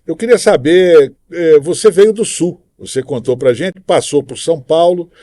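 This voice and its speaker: Mellow-voiced Brazilian male podcast host. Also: a little high, normal speed, no echo. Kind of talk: live interview and sponsor announcements.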